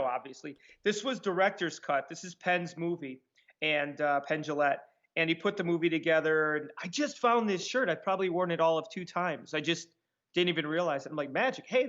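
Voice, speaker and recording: A man telling stories in a casual interview, acting out what people said in a higher voice. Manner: animated, acts out quotes in a higher voice. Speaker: magician guest. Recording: dull lo-fi sound.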